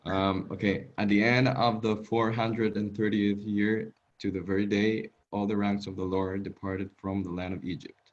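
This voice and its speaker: A man's voice: lowish voice, little pitch movement, normal speed, few pauses. A man with a non-native accent reading a scripture passage aloud to a study group over a video call, stumbling and repeating words. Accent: non-native English. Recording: dull, lo-fi video call audio.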